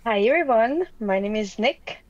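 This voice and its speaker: A woman in her thirties, a guest on a video-call talk show, slightly croaky from a cold, speaking earnestly with frequent ums. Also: a little high, lively intonation, moderate pace, darkish tone, no room sound. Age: 30s. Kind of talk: casual interview chat. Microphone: webcam mic on video call. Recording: dull lo-fi call audio.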